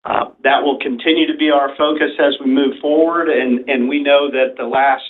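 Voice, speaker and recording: Narrow phone audio, male company executive, medium pitch, unscripted answers, deliberate, careful phrasing. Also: steady tone. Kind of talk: answering analyst questions on an earnings call. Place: telephone conference call. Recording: narrow phone-line sound.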